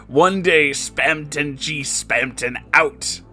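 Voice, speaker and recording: Evil little salesman villain, man performing, high-pitched, bombastic, greedy showman delivery for comic story narration. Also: takes it slowly, sharp tone, faint music behind, heavily acted. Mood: boastful. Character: evil short grinning scheming salesman villain, boastful and greedy.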